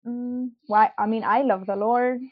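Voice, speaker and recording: This young woman, born in Mexico and raised in South Texas, shares a casual personal testimony as an interview guest. She speaks a little slowly in a slightly high voice with fairly even intonation, hesitating often with ums and likes and laughing easily. The recording sounds dull and lo-fi.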